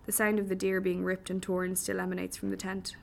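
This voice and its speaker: A woman reads a first-person story aloud in a wry, vivid telling. Her voice has a gravelly grain at a middle pitch, and there is a faint bed of noise under it. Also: completely flat delivery, a little fast. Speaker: audiobook reader. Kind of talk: first-person audiobook narration.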